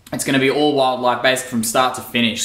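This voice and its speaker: A man's voice with audible room echo. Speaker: wildlife vlogger. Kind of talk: casual vlog chat. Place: home room. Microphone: phone near.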